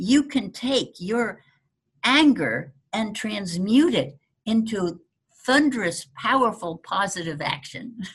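Fairly high-pitched woman, somewhat breathy, at a very slow pace with very wide pitch swings. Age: 80s+. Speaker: evolutionary biologist. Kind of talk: interview. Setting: video call.

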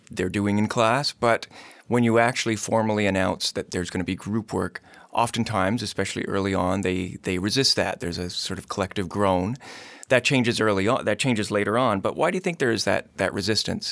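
On a very clean recording with a silent background, a man with an unremarkable speaking voice and fairly low pitch speaks at a fairly quick pace with ordinary pitch variation. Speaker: podcast host. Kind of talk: interview conversation, podcast.

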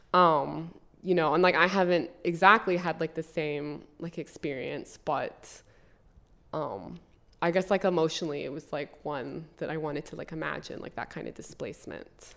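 With an American accent, a woman speaks in a very deep, low voice with vocal fry, ordinary pitch variation, big swings in loudness and a moderate pace. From Colombia (Cali). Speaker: author. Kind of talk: interview.

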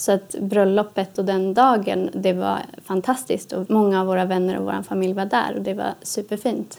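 A woman with an ordinary speaking voice talks at a moderate pace with hardly any pauses. Her medium pitch holds a fairly even intonation. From Sweden, Dalarna. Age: 20s. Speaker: podcast guest sharing personal story. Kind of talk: personal interview, testimony.

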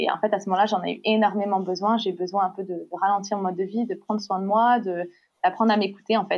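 A woman at a medium pitch rushes along at a very fast pace with hardly any pauses, her intonation monotone and flat. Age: 20s. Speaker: entrepreneur, brand founder. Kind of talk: casual interview chat. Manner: hesitant, many fillers.

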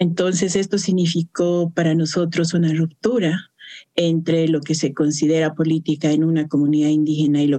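With an Andean accent, a woman speaks at a moderate pace in a dark, mellow tone with fairly even intonation. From Bolivia, Lake Titicaca region. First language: Aymara (speaking Spanish). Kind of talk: interview.

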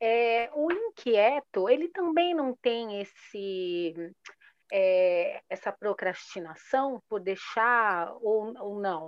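A very slow pace with very wide pitch swings. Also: woman, fairly high pitch for a woman. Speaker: coaching student. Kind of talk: online class discussion. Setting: video call. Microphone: phone.

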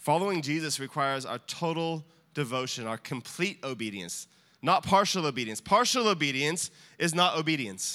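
Bright and sharp in tone, a man with an American accent speaks at a fairly high pitch and moderate pace in a very clean recording with a silent background. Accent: sounds American despite being Australian. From Australia. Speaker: pastor. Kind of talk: sermon. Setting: church.

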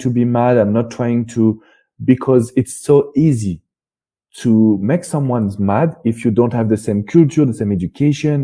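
A fairly slow pace with a dark, mellow tone. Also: man. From France. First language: French. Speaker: love and relationship coach. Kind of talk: casual interview conversation. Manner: halting, hesitant with fillers.

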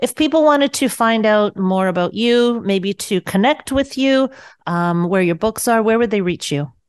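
A woman speaks at a moderate pace with lively intonation. Her loudness stays very even against a quiet background. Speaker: radio host and nutritionist. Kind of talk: radio interview.

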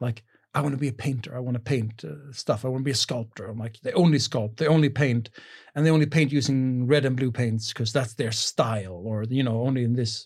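Somewhat breathy, a man talks at a very fast pace with fairly even intonation. The recording is very clean, with a silent background. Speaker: game studio operations director. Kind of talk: casual chat. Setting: studio.

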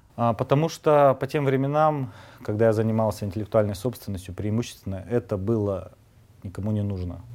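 Here is a man with an unremarkable speaking voice and a fairly low pitch. He talks at a fairly quick pace with ordinary pitch variation. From Russia, Urals (Nizhny Tagil). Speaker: managing partner of a law firm. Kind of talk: interview conversation.

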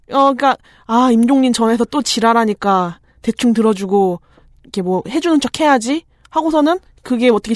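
A woman talks at a fairly quick pace. Her pitch is fairly high and her intonation lively. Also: dry, close sound with no echo. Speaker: baker and union branch leader. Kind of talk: interview about labor union struggle. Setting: studio. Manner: halting, many fillers.

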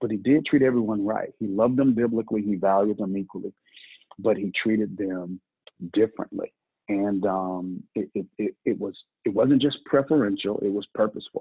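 Here a man with an American accent talks at a moderate pace and a fairly low pitch, with ordinary pitch variation. His is an unremarkable speaking voice. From rural Mississippi, US South. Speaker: pastor and author. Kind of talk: interview conversation.

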